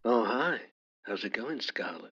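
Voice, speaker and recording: A man's voice: expressive, unhurried, a bit bright, heavily acted. A man voicing a menacing, teasing masked killer who calls in to a podcast, in an audio play over a muffled line. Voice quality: gravelly, low and menacing.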